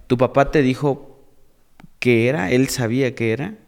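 Male podcast host, mid-pitched, questioning, roomy reverb around the voice. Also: normal speed, gravelly. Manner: short prompts and curious follow-up questions. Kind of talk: interviewing.

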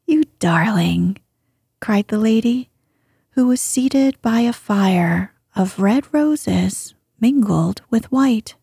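A woman reads a storybook chapter aloud in a hushed, breathy voice. Her pace is slow and unhurried, her tone warm and mellow, a little higher than most. The sound is close and dry. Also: dry recording. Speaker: audiobook narrator. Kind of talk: storybook narration.

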